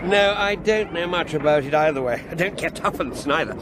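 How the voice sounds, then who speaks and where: Man playing a lively, offhand businessman. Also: a little high, brisk, noisy background, lightly acted. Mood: flippant. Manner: offhand, dismissive. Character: callous, indifferent city businessman, gossiping breezily. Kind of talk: period radio drama acting.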